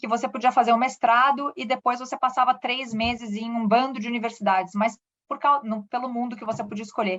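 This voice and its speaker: A woman's high-pitched voice at a fairly quick pace, fairly even in intonation but with big swings in loudness. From Brazil, São Paulo. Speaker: ophthalmologist. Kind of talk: interview.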